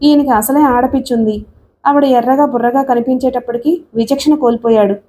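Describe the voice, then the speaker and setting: Brief: bitter jealous young wife, tearful and resentful, read by a woman narrator in a mellow, fairly high voice. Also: fairly even intonation, a little fast, a little hiss or hum, natural voice. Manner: bitter, complaining.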